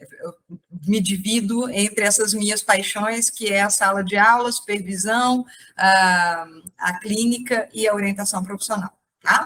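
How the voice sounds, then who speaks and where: With a Minas Gerais accent, a woman speaks at a fairly slow pace and medium pitch, her bright, sharp tone carrying fairly even intonation. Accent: mineiro Brazilian Portuguese. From Brazil, Minas Gerais. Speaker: psychologist and lecturer. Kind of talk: lecture. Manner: hesitant, many fillers.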